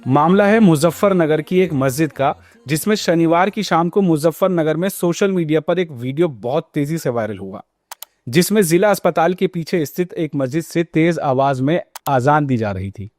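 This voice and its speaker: A man's voice: on the high side, expressive, normal speed, a little mellow, no echo. A man narrating a scripted news report as a reporter, explaining and posing pointed questions. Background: background music.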